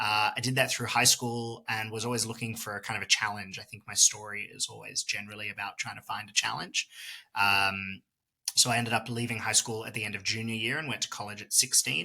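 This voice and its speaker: Speaking at a fairly quick pace, a man at medium pitch has a bright, sharp tone, fairly even intonation and big swings in loudness. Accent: Australian. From Australia. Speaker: tech startup founder and CEO. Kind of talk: podcast interview.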